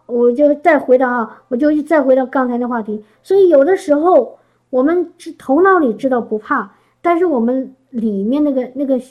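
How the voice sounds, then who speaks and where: A middle-aged woman preaches in a high, light voice. She talks to her listeners like a friend, restarting her phrases and asking them rhetorical questions. Her sermon sounds like a relaxed, informal chat. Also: highs cut off.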